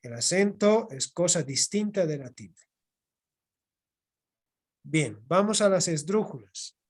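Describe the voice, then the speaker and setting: Slow high-voiced Bolivian male teacher. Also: lively intonation. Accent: Bolivian Spanish. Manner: slow, repetitive explaining with checking "¿ya?". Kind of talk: online class lecture. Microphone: computer mic on video call.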